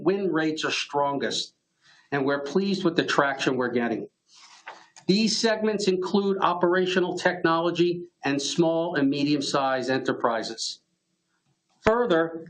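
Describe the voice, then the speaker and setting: Higher-pitched man reading corporate results. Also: poor audio. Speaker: company executive presenting results. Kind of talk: scripted earnings call presentation.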